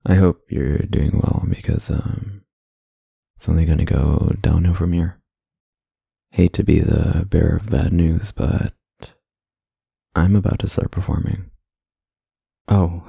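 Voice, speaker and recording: Male actor for flirty club singer, ASMR roleplay. Deep, heavy fry, hesitant and self-mocking, music behind. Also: no echo, full character voice. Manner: hesitant, softly teasing, self-deprecating. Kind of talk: ASMR roleplay acting, casual flirty banter. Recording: close dry mic, music behind. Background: music in a staged club scene.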